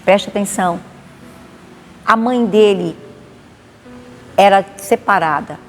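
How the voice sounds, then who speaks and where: A woman pastor with a Bahian accent, giving a lively spoken testimony and acting out the dialogue. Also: medium pitch. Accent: Bahian Portuguese. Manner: animated, acts out dialogue. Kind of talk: testimony storytelling. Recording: long reverb, faint noise.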